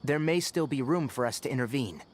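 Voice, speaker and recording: A man voicing a composed, articulate young scholar in a video game, with a measured, thoughtful manner. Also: mid-range voice, expressive, slight background noise, lightly acted. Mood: grave, concerned. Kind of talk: video game character acting.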